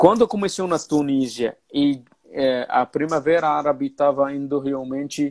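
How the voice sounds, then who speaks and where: A man speaks with an Arabic accent at fairly high pitch. The recording is very clean with a silent background and a dry, close sound with no echo. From Syria, Aleppo. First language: Arabic (speaking Portuguese). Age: 30s. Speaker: refugee activist and speaker. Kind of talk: interview testimony. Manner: halting, many fillers.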